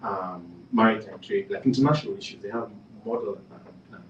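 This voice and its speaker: A man's voice: lowish voice, a little fast, lo-fi sound, slight background noise. A man from Kenya speaking on a panel discussion, telling a story in a conversational way with fillers and restarts, building to emphatic points. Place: panel event in a room. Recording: echoey room, speaker far from the mic.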